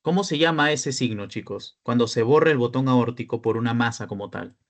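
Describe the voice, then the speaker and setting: A man's voice: mid-range voice, a little fast. Young man tutoring, asking students. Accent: Peruvian Spanish. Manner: explanatory, checks in with frequent questions to students. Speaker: peer tutor. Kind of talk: online class lecture.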